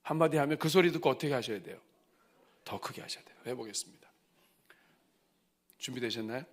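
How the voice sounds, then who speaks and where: A middle-aged man preaching at a church revival, moving from soft asides to loud cries. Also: mid-range voice, brisk. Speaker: pastor. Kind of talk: revival sermon. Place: church sanctuary.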